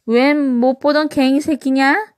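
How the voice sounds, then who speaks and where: A gruff old country granny from a children's storybook, acted by a woman, scolding in blunt rustic words. The voice is high and closely recorded. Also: fairly even intonation, a little slow, dry recording, studio quality. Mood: gruff, questioning.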